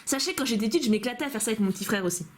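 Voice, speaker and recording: Young woman, gushing and playful, animated high voice, slight hiss. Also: rapid-fire. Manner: gushing, playful, chatty with frequent laughs. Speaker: YouTuber opening fan mail. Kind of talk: casual unboxing chat. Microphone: camcorder.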